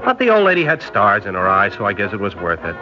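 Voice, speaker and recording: A cocky young spy, brash and slangy, wisecracking with a lively, swinging delivery in a low voice. Old radio drama sound, dull and lo-fi. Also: male voice, fast talker, music in the background. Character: cocky young male spy posing as American. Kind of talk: 1960s radio drama acting.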